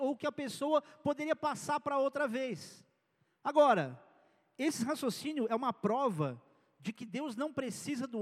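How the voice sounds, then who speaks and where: Man, pastor, high voice, chatty sermon, anecdotes, long hall reverb. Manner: conversational preaching with personal anecdotes.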